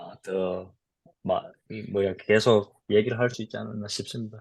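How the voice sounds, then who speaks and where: This is a man speaking at a fairly slow pace. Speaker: athletic trainer. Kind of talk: panel discussion. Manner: halting.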